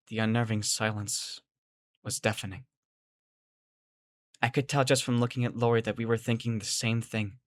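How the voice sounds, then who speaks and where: A woman narrating a first-person horror audio drama, expressive, moving between hushed narration and excited character dialogue. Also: very deep voice, dry recording. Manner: expressive, swings from hushed to shouting. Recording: music playing behind the voice.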